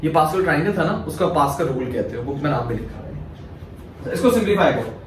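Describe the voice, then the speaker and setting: A man's voice: a little high, animated, a little fast. A male maths teacher from Pakistan giving a lecture, explaining step by step and answering his own questions. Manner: asks questions then answers them himself. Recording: very echoey room, mic far off, faint hiss.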